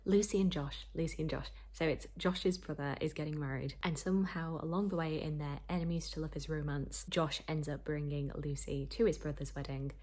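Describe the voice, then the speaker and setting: A woman's voice: sits low, fairly even intonation, fairly quick, hardly any pauses, a little mellow. A young woman chatting casually to camera as a book vlogger, in a rambling, self-deprecating way.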